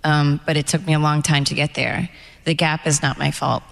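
Low, gravelly woman in echoey hall. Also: little pitch movement, moderate pace. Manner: candid, reflective, wry humor. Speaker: novelist being interviewed. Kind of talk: onstage author conversation. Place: event stage before an audience. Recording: echoey hall, long reverb.

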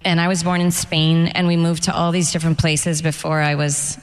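A middle-aged woman from the United States, an author appearing as a guest, speaks at a live interview event held in a hall. Her voice is low and her delivery flat, and she comes across as reflective, candid and measured.

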